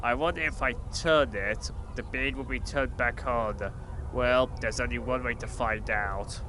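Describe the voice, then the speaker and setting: An actor playing a blunt, sarcastic and exasperated flying hero in an audio drama. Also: male voice, medium pitch, unhurried, noisy background, close to an everyday voice. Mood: musing, incredulous. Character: exasperated sweary flying hero, stranger from Earth. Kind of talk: scripted audio drama acting.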